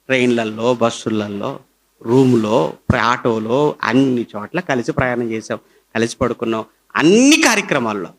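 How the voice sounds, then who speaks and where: A middle-aged man with a Telugu accent, preaching a sermon as pastor, his pitch swinging high and low as he presses his points. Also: expressive, moderate pace.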